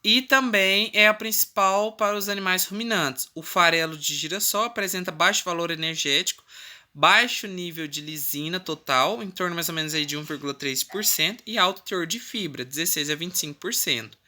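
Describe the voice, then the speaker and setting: Brazilian teacher talking through a recorded lesson, bright tone, stops to fix slips. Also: mid-range voice, fairly quick. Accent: Brazilian Portuguese. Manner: explains step by step with frequent "né" and "tá" tags, stumbles and corrects itself. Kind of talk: recorded online class lecture.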